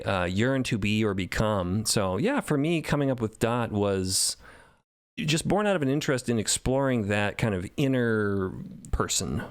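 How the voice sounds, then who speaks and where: A man's voice: lowish voice, clear, resonant tone, dry recording, studio quality. A man talking about his creative work at a podcast roundtable in a reflective, playful and wordy way. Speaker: podcast co-creator and sound designer. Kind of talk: casual roundtable chat.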